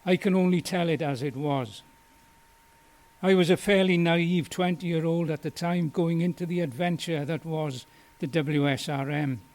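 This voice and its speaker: A man in his sixties from Wales, giving a prepared memorial lecture in a measured, earnest and deliberate way. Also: on the high side, steady tone, darkish tone.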